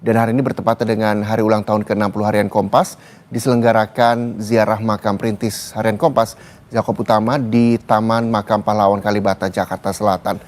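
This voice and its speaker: A man's voice: fairly low pitch, flat delivery, a little fast, a little mellow. A man presenting the news from the studio in a formal, scripted way, handing over to a field reporter. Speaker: news anchor.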